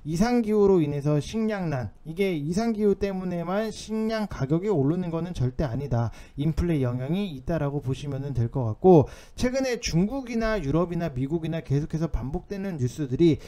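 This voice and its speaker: A man's voice: fairly high pitch, expressive, fairly quick, hardly any pauses, mellow. A man hosting an informal stock market commentary, explaining things in an insistent, somewhat urgent way. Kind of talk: informal market commentary over on-screen notes.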